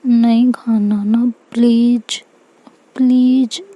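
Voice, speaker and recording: A woman's voice: on the high side, fairly even intonation, a little slow, vocal fry, dark tone. A woman doing a sulky, whiny injured young woman. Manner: whiny, pleading, stammering excuses.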